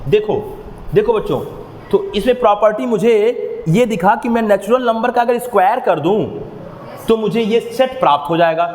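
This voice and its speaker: In an echoey classroom with long reverb and a little hiss or hum, a man walks students through maths step by step. He keeps asking them questions and adds motivational remarks. His voice sits fairly high and a little mellow, at a moderate pace.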